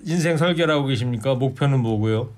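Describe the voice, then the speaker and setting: A man's voice: medium pitch, fast. A middle-aged or older man hosting a conversational radio interview, encouraging and avuncular, often checking in with short tag questions. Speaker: radio host. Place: small radio studio, indoors. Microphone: studio microphone on stand.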